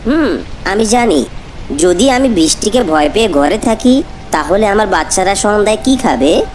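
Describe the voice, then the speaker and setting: A woman's voice: mid-range voice, lively intonation, normal speed, darkish tone, lightly acted. A woman voicing a devoted, brave cartoon father bird, earnest and reassuring. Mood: determined. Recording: music bed under the voice. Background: background music.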